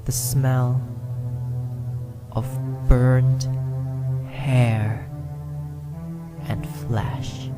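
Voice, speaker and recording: A man's voice: mid-range voice, little pitch movement, drawn-out words, pauses often, over loud music. A man narrating a first-person ghost story, dramatic and at times dropping to a whisper.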